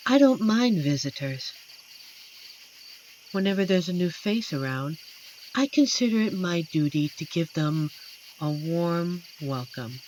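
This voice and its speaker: A woman acts out a friendly she-werewolf, guardian of the woods, in an intimate audio roleplay. Her voice is low and swings widely in pitch as she teases and chats. Faint night insects sound behind her. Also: a little hiss or hum, low-quality recording. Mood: playfully welcoming. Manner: unhurried, teasing, chatty with dramatic pauses. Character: amiable, playful female werewolf guardian of a forest. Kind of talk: scripted audio roleplay addressed to the listener.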